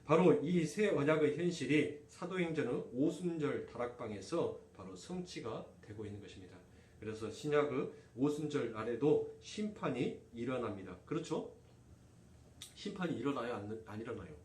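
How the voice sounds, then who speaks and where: A man's voice: medium pitch, lively intonation, moderate pace, a little mellow, distant mic, a little hiss or hum. A male pastor, preaching a sermon and firing rhetorical questions at his congregation. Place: church sanctuary. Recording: echoey room, voice off-mic.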